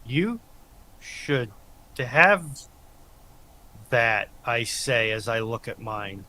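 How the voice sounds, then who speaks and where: Man with bright voice, bantering. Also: medium pitch, animated, very slow, slight background noise. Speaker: panelist. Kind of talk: casual banter.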